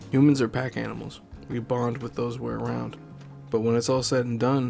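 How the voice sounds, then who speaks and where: A man at medium pitch and a fairly quick pace, with music in the background. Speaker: gaming / skateboarding content creator. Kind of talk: casual reflective talk to camera.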